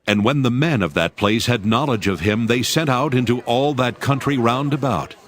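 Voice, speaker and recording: A man's voice: mid-range voice, normal speed. A man narrating scripture in a dramatic, scripted audiobook style.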